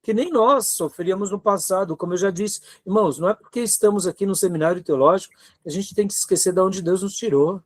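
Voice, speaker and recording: A fast-talking seminary teacher with a high, darkish voice and a Brazilian Portuguese accent delivers an earnest lecture. He urges his students on, asks rhetorical questions, and keeps checking in with tag questions.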